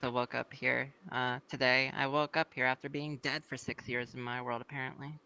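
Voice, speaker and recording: A woman's voice: extremely low pitch, little pitch movement, normal speed, pushed and bright, heavily acted, low-quality recording. A woman playing a courteous, genteel woman back from the dead, speaking politely and formally in improvised roleplay. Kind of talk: improvised in-character virtual-world roleplay chat.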